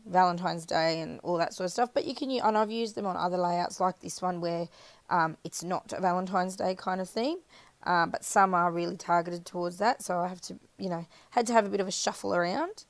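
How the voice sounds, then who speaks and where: Woman, casual craft-tutorial voiceover, scratchy and husky, rambling, dry close mic. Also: on the low side, dry recording. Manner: chatty, rambling, self-correcting. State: croaky, scratchy voice. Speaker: craft video maker. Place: voiceover recorded apart from the footage.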